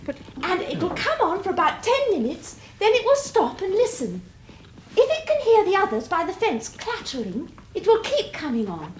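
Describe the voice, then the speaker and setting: An actress playing a bright, cheeky, observant young girl in a 1960s British radio drama, inquisitive and insistent, with a British accent. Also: very high voice, wildly swooping pitch, moderate pace, exaggerated voice. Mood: earnest, explaining. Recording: noisy, roomy 1960s radio drama recording.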